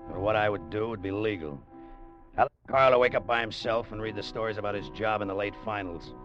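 An actor playing a brash, fast-talking gambler who narrates and pushes his way onto a treasure hunt, in 1940s radio acting, on a dull old broadcast recording with music behind. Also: fairly low pitch, close to an everyday voice. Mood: wry. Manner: fast-talking, cocky, pushy. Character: brash gambler turned sailor, tough streetwise man. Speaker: narrator and lead.

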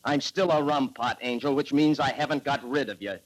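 An actor playing a drunken, menacing private detective in a 1940s radio drama, slurring and swinging between tenderness and threats. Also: male voice, mid-range voice, a little fast, close to an everyday voice, rough recording. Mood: taunting. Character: drunken hard-boiled male private eye, menacing.

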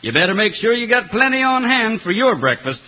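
Announcer as folksy chuckwagon cook pitchman; raised voice, vintage broadcast sound. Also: very animated, fairly quick, highs cut off. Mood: hearty. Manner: hollering cowboy slang, singsong jingle delivery. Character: folksy cowboy camp cook pitchman, male. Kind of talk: vintage radio ad. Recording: old radio recording over music.

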